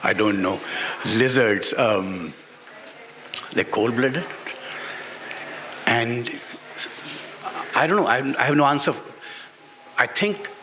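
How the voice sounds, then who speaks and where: A man with a Pakistani accent talks as an author on stage, his voice bright and forceful. He halts and repeats phrases for emphasis. The recording has long hall reverb and some faint noise. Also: mid-range voice, slow pace, pauses often. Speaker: author and playwright being interviewed. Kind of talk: unscripted talk on stage at a book event. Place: festival stage before an audience.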